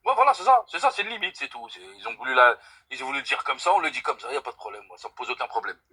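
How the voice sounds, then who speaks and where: Young man, from France, husky, bright, earnest caller, emphatic, repeats himself. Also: mid-range voice, big pitch swings, very fast. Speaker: caller on a live stream. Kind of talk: casual debate call.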